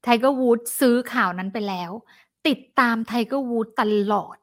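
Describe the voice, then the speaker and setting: A woman's voice: a little high, slow. A woman telling a celebrity gossip story in a dramatic, chatty way, acting out the quoted lines.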